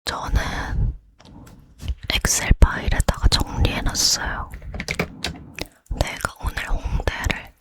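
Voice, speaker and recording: An ASMR creator whispers a role-play as a boy-crazy young woman getting ready to go out. Leaning in close, she speaks very slowly and breathily, chatty and determined, in an intimate delivery that stays close to her everyday voice.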